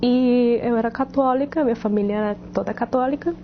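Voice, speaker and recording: A woman from South Korea with a Korean accent, a Korean native speaker, giving a halting personal testimony, muffled with faint noise. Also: on the high side. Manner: halting, searches for words.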